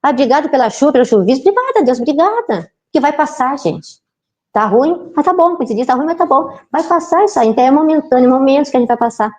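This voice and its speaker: A woman gives a spiritist talk in a loose, conversational way. Her voice sits a little high. She keeps checking in with her listeners through short tag questions. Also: expressive, quick pace, darkish tone. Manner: chatty, keeps asking the audience "né, gente?". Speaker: spiritist lecturer. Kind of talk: informal doctrinal talk.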